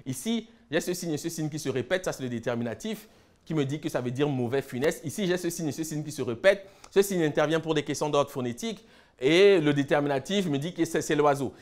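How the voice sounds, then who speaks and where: Slightly high voiced cameroonian guy lecturing, firm and insistent. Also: animated, darkish tone. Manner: listing words slowly, then explaining emphatically. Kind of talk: lecture on word roots.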